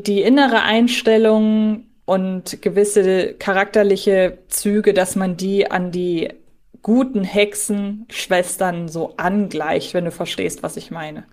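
A woman's voice: mid-range voice, darkish tone. A woman co-hosting a podcast, talking conversationally in a reflective, careful manner. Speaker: podcast co-host. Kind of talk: conversational fan discussion.

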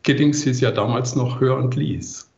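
A man in his sixties giving measured, articulate, reflective answers as an interview guest. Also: mid-range voice, vocal fry, darkish tone, echoey room, lo-fi sound. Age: 60s.

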